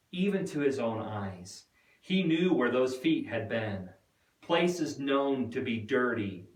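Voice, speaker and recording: A man giving a dramatic scripted narration with deliberate, expressive storytelling. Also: medium pitch. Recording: echoey room, distant mic.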